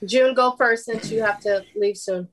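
A woman's voice: fairly high pitch, slight background noise. A woman co-hosting a casual sports chat, giggling often as she talks. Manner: giggly, quick to laugh. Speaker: podcast co-host.

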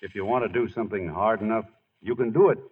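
A man's voice: fairly low pitch, fast, husky. A man playing a modest, earnest, bashful baseball star in a 1940s radio drama, speaking plainly. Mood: gentle, encouraging. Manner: plain-spoken, hesitant, understated. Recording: muffled old radio broadcast.

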